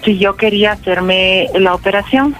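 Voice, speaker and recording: A performer playing a young trans woman, halting and filler-heavy on a prank call. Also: medium pitch, a bit bright, faint music behind, natural voice, rough recording. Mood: hesitant. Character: young trans woman calling her mother, nervous. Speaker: prank caller. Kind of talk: prank phone call role-play.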